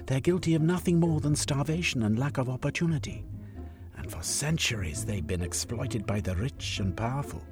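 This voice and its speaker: A man reader voicing an indignant, sharp-tongued wife who answers with scornful, cutting retorts. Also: extremely low pitch, animated, normal speed, over music, voice pushed up.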